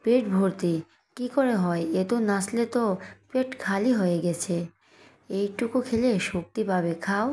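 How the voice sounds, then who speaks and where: A woman voicing a gruff, bossy young husband who gives scolding commands. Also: medium pitch, measured pace, dark tone, lightly acted. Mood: stern.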